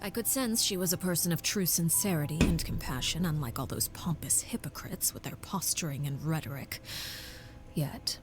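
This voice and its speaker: An actress playing a composed female Harbinger in a video game, speaking in a measured, formal, disdainful way. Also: low-pitched, in a whisper, music in the background, natural voice. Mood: solemn, reflective. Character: composed female Harbinger, once imprisoned, scornful of hypocrites. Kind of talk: scripted video game monologue.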